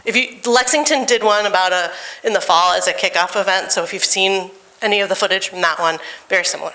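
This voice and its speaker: A woman organizer addressing a public meeting, explaining plans in a slightly halting, informative way. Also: mid-range voice, pushed and bright, slight background noise, low-quality recording. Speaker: event organizer.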